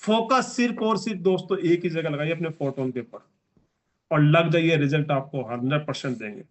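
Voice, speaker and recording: A man's voice: on the high side, fairly quick. A man in his forties giving a motivational business training speech, emphatic and repetitive as he exhorts the audience. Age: 40s.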